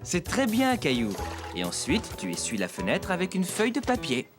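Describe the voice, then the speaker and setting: Kind father, animated intonation, encouraging, patient, children's cartoon, faint music behind. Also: high-pitched, moderate pace. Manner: encouraging, gently instructive. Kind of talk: French children's cartoon dub.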